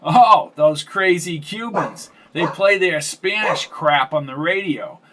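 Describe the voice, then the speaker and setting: A man's voice: on the high side, slow, background noise, pitched above the performer's own voice. A man voicing a blunt, foul-mouthed older landlady who gossips and curses freely. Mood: brash.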